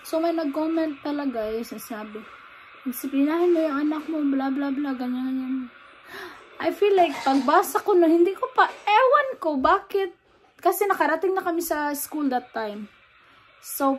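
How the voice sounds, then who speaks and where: Filipina mom vlogging, high voice, keeps restarting, kinda emotional. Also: female voice, a little mellow, a little hiss or hum, rough recording. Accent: Filipino, with Cebuano words. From Philippines. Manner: emotional, halting, many restarts and fillers, mixes English into Tagalog. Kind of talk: casual vlog monologue.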